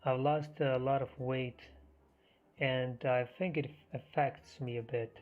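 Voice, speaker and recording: A man hosting a live trading stream, half losing his voice, talking through the market in a halting, think-aloud way. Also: medium pitch, fairly even intonation. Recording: muffled stream audio with faint music.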